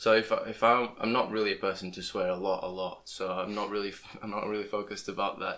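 Noticeable background noise sits behind a man with a fairly low pitch. He talks at a very fast pace in a flat monotone. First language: Portuguese. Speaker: podcast host. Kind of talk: casual interview chat.

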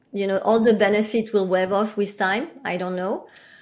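A woman talks with a French accent and fairly even intonation. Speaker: marketing executive and lecturer. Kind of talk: interview conversation about marketing and AI.

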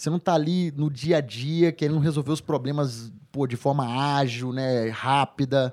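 A man's normal speaking voice, fairly high in pitch, with fairly even intonation on a very clean recording with a silent background. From Brazil, Minas Gerais (Governador Valadares). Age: 30s. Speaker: entrepreneur, company CEO. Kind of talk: interview. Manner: casual, fast, with many fillers.

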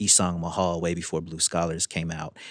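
In a very clean recording with a silent background, a man with an American accent talks fairly quickly in a very deep, low voice. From Seattle, US. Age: 40s. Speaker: rapper. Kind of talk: casual chat. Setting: studio.

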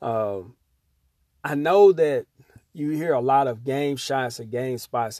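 A man with a normal speaking voice, medium pitch and a fairly slow pace, in a very clean recording with a silent background. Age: 40s. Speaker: basketball skills coach and podcast host. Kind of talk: solo podcast talk. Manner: casual, with many fillers.

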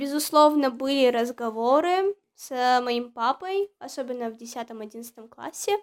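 This woman talks very slowly in a high pitch, with lively intonation and big swings in loudness. The sound is dry and close, with no echo. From southern Russia (Krasnodar Krai, Tuapse), Armenian family. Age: young. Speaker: university student. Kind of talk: casual chat.

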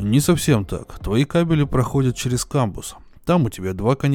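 With lively intonation, the reading voice comes across as unforced.

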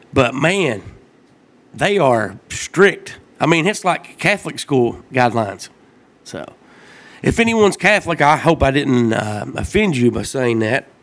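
A man speaks loudly at a fairly slow pace, leaving long, frequent pauses. His voice sits fairly high and swings very widely in pitch. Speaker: podcast host. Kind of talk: casual chat. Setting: live-streamed studio with mics.

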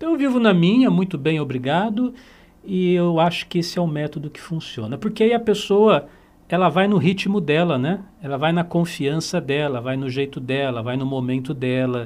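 Here a man talks at a moderate pace. His pitch is fairly high, with lively intonation. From interior of São Paulo state, Brazil (Marília). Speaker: podcaster and mentor. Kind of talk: solo podcast monologue. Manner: hesitant, with frequent repetitions.

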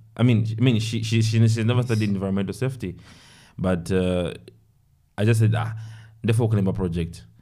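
Very fast yet broken by long, frequent pauses, the voice is dark and mellow with fairly even intonation, heard with audible room echo. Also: man, fairly low pitch for a man. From Zambia. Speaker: musician. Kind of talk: interview.

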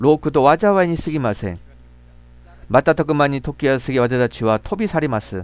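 Speaking with a Korean accent, a man talks at a fairly quick pace, fairly high in pitch, with lively intonation, in a dry, close sound with no echo. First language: Korean (speaking Japanese). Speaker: pastor. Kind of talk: sermon.

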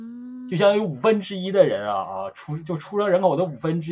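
The speech moves at a fairly quick pace with very wide pitch swings. Noticeable background noise can be heard. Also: man. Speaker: podcast guest, data analysis enthusiast. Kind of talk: casual chat. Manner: halting, many fillers and repetitions.

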